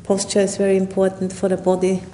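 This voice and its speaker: A woman leading a guided meditation as a Buddhist teacher, speaking in unhurried, halting phrases with long pauses. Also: monotone, dark tone. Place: retreat session at a monastery or retreat center. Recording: low rumbling background noise.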